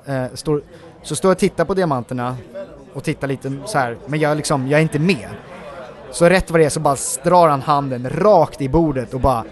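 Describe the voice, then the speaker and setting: Rambling man telling set stories. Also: fairly high pitch. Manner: rambling, many filler words, animated retelling. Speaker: actor guest. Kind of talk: casual interview storytelling.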